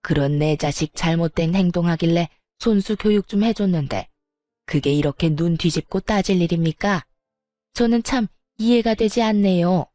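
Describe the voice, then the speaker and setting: A woman's voice: lowish voice, normal speed, dark tone, dry recording, soft background music, lightly acted. A woman voicing an angry, sarcastic older mother-in-law who bullies her daughter-in-law. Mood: mocking. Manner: sneering, bullying, sarcastic.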